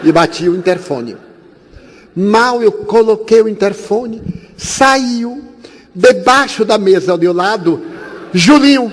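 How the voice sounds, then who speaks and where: A man tells stories to an audience, his fairly high voice swinging up and down with theatrical energy. He acts out each character as he goes. The sound carries the long reverb of a large hall, with a faint hiss underneath. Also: animated, slow pace. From Bahia, Brazil. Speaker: spiritist speaker. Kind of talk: storytelling lecture to an audience.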